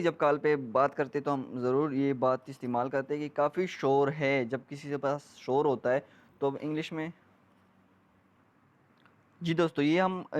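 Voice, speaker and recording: A man with a South Asian accent teaching English phrases one by one, drawing out each example sentence with careful enunciation. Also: a little high. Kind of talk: bilingual phrase-by-phrase language lesson. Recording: dull, lo-fi microphone sound.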